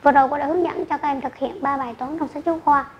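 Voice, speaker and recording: A high-pitched woman teacher leads an online math lesson for children. She speaks slowly and carefully, reading numbers out digit by digit. The recording is dull and lo-fi, with a faint hiss behind her. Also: steady tone.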